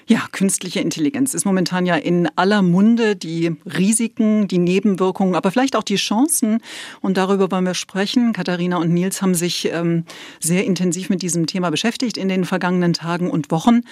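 Woman host, radio podcast, dry studio sound, measured and clear. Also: lowish voice, a little mellow, no room sound. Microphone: studio microphone.

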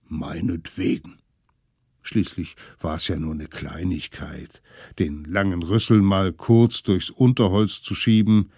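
Slow, expressive male storyteller. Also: on the low side, no echo, studio quality. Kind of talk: children's story narration.

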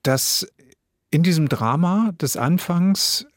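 German guy in his 50s, relaxed chatty interview guest, fairly high voice, dry close sound. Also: slow, no room sound. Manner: relaxed, thinking aloud with fillers. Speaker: radio drama director and author, guest.

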